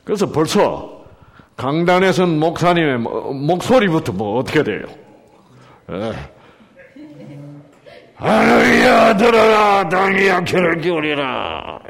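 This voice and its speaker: A man's voice: a little high, big pitch swings, measured pace. A man preaching a sermon, asking the congregation questions and acting out quoted lines in shifting voices. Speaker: pastor.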